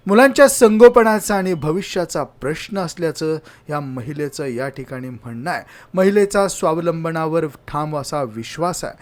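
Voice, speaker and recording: A man reads scripted news narration, formally explaining things to the audience as a presenter. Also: on the high side.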